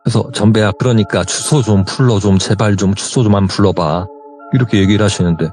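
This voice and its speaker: A man's voice: lowish voice, brisk, faint music behind. A young man telling a true story in a phone interview, acting out the dialogue as he goes. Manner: animated retelling, quoting others in dialogue.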